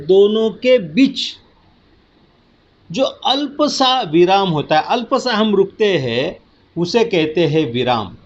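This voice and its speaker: A male teacher gives a recorded lecture at a slow, deliberate pace. His voice sits fairly high, and he keeps stopping to check that his students are following. The sound is dull and lo-fi. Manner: slow, patient explaining with repeated check-ins.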